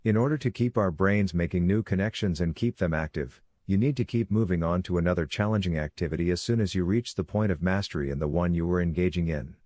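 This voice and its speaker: A man's voice: low voice, fast, hardly any pauses, a little mellow, no echo. A man reading scripted exam practice passages aloud as a narrator.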